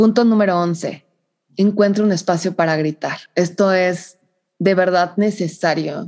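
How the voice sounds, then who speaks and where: A woman speaks at a fairly slow pace with a Mexican accent. Her pitch is medium and her intonation fairly even. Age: 30s. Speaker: podcast host. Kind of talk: casual monologue.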